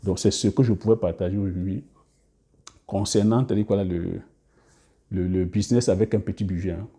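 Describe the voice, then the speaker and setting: A man with a very dark, mellow and fairly low voice talks straight to camera, giving casual business advice. He hesitates a lot, restarting phrases and filling gaps. His sentences often fade to a quiet finish. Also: steady tone, fairly quick. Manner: hesitant, many fillers and restarts; trails off quietly at phrase ends. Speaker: business coach YouTuber.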